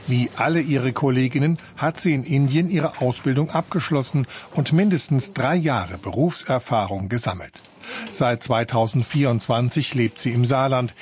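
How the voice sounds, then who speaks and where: A male reporter reading a scripted news feature in a measured, even way. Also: medium pitch, a little hiss or hum. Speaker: radio reporter.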